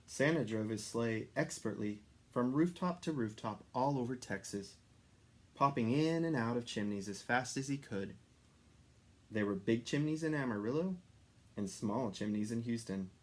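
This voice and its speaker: A man reading a children's story aloud expressively, with dramatic pauses and stressed descriptive words. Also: medium pitch, animated, darkish tone. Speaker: story reader.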